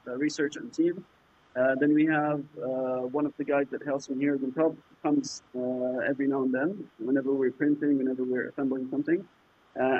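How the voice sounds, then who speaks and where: A man from Jordan whose first language is Arabic, answering interview questions in a halting way, with many fillers and restarts. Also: medium pitch, husky. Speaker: startup founder, guest. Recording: muffled lo-fi remote audio.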